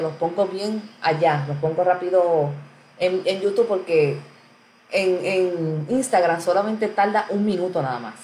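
A woman's voice: on the low side, a little mellow. Chatty woman streaming live, roomy echo. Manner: chatty, greets viewers by name and answers comments. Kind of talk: casual live-stream chat. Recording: roomy echo with faint background noise.

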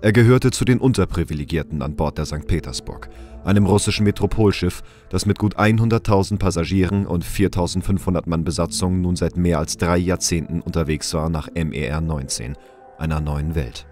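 Low-voiced male audio drama narrator. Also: a little fast, darkish tone, faint music behind.

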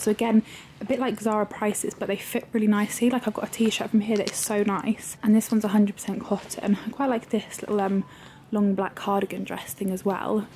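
A woman's voice: medium pitch, a little mellow, a little hiss or hum. A British woman in her twenties, chatting on a handheld camera as she browses a large shop, gushing and filling her talk with "like". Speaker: vlogger. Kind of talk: shop-with-me vlog. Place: large clothing and homeware shop, indoors.

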